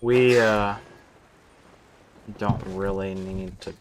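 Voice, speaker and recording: A man doing casual, unscripted game commentary on a stream, thinking out loud and swearing freely. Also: low voice, steady tone, extremely slow, a little hiss or hum.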